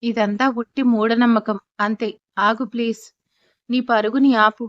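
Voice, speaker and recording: A woman's voice: on the high side, fairly even intonation, moderate pace, close to an everyday voice. A woman voicing a desperate young man pleading. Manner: pleading, urgent. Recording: dull, dry recording.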